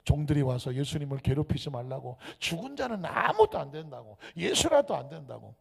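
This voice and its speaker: A man preaches a sermon into a microphone with a high, gravelly voice that leaps all over its range. He drops to hushed whispers for emphasis, then rises to loud calls and has the congregation repeat after him. The long echo of a church hall trails his words. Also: sing-song, fairly quick. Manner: leads the congregation in call-and-repeat. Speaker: pastor. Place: church sanctuary.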